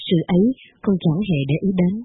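Woman doing a grown son's sore formal letter, low-ish husky voice, tinny phone-like sound. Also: quick pace, no echo. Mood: aggrieved. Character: grown son writing a bitter, dutiful letter to his mother.

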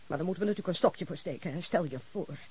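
A woman's voice: fairly low pitch, racing, darkish tone, husky, poor audio. An actress playing a nagging, indignant middle-aged mother with a Netherlands Dutch accent in a radio drama, complaining and sarcastic. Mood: insistent, pleading.

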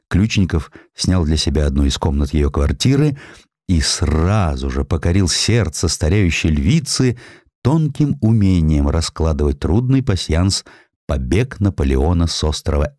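A man's voice: low voice, dark tone, no echo, studio quality. A man narrating a dramatised historical story as a storyteller.

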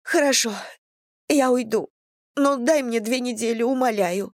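A woman's voice: on the high side, unhurried, dry recording, studio quality, voice pushed up, natural voice. A woman voicing a desperate middle-aged doctor who begs tearfully in an audiobook. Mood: pleading. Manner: tearful begging.

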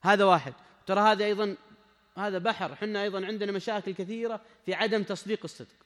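A man's voice: high-pitched, racing, fairly bright tone, big-room sound. A man giving a religious lesson, emphatic and repeating his key phrases as he speaks straight to the listener. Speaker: Islamic scholar giving a lesson.

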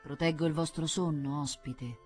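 A woman's voice: sits low, moderate pace, faint music behind, close to an everyday voice. Woman reading as a stern, grave old man. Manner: calm and grave. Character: stern, dignified old man, head of family. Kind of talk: audiobook reading.

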